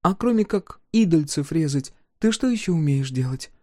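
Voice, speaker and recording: A man voicing a practical, sharp-tongued peasant woman in a storybook reading, speaking in a brisk, scolding whisper. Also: on the high side, animated, no room sound, clean studio sound, voice pushed up.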